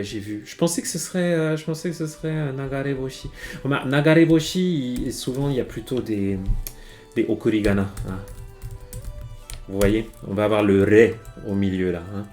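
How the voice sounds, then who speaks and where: A man's voice: lowish voice, mellow. A man teaching Japanese on a live stream, talking an audience through song lyrics, hesitant and full of fillers and restarts. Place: home streaming setup.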